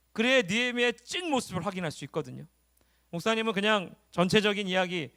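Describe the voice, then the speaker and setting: Youth pastor, male, high-pitched, animated and exhorting; casual sermon to teens. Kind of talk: sermon to high school students. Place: church service.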